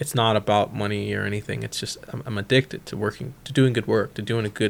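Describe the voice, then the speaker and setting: With an American accent, a man speaks at a fairly low pitch with vocal fry and fairly even intonation. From Chicago suburbs, Illinois. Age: 30s. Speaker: bodybuilder and strength coach. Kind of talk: casual chat.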